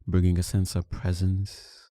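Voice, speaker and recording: A man leading a guided meditation, giving soothing, unhurried instructions with long pauses between phrases. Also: low-pitched, completely flat delivery, mellow, no room sound, studio quality. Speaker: meditation teacher.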